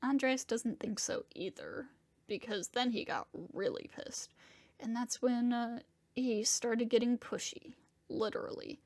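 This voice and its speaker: A woman voicing a distraught young monstrous man in a dramatic first-person story, confessing in halting, profane, conversational speech. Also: on the high side, expressive, a little mellow. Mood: shaken, confessional.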